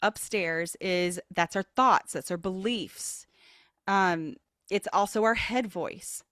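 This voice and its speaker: A woman coaching on voice and leadership in a podcast interview, earnest and motivational. Her pitch is mid-range for a woman. The recording is close and dry, with no room sound. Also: takes it slowly, no echo. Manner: expressive, demonstrates voices with big pitch jumps.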